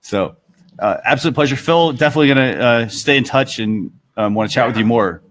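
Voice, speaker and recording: Hosting a marketing talk show, this man speaks briskly in a medium-pitched, fairly bright voice. His casual talk is hesitant and loose, peppered with "you know."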